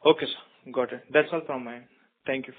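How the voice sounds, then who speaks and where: Deferential Indian analyst calling by phone. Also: male voice, medium pitch, steady tone, brisk. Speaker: financial analyst caller. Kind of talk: polite unscripted business question. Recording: narrow tinny phone line.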